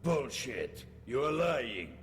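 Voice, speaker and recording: A man playing a gruff, skeptical, curt black-market trader in a video game cutscene. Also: medium pitch, big pitch swings, big-room sound. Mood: dismissive. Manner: curt, unhurried. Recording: game audio under loud background noise.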